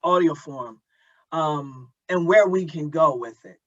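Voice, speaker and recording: A man hosting a conversation, speaking earnestly and reflectively, haltingly repeating words as he builds his point. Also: fairly high pitch, a bit bright. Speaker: interviewer and host of an audio drama community event. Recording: dull lo-fi audio.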